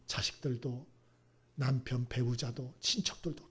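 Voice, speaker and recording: A male pastor giving a Sunday sermon. He asks the congregation questions and then answers them himself in soft, whispered repeats. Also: medium pitch, a little slow, breathy edge.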